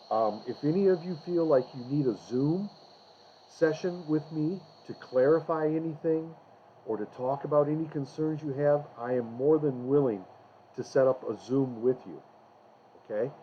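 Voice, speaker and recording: Man giving a direct, conversational course introduction. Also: mid-range voice. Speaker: public speaking teacher. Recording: dull lo-fi recording with faint hiss.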